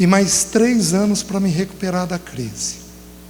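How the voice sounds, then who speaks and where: Heard with audible room echo, a man speaks fairly slowly at a high pitch with fairly even intonation. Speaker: preacher. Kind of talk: sermon. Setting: women's retreat, audience.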